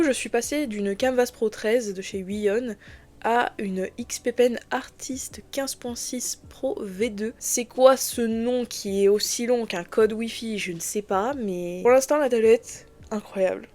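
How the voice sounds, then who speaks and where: A woman's voice: mid-range voice, warm tone. A young adult woman chatting casually to viewers in a vlog, rambling enthusiastically and full of slang as a digital artist reviewing gear.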